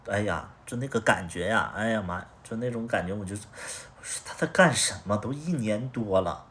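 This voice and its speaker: A young man tells a personal story on a livestream, talking in a low voice. He rambles bluntly and swears freely. Faint room ambience sits behind him. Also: lively intonation, moderate pace, a bit bright, a little hiss or hum. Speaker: livestream host.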